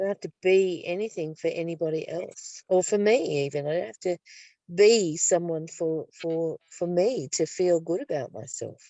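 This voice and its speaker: A woman with an Australian accent speaks at a moderate pace and fairly low pitch, with ordinary pitch variation. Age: 60s. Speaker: spiritual study group leader. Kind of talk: casual spiritual discussion. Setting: phone call from inside a van.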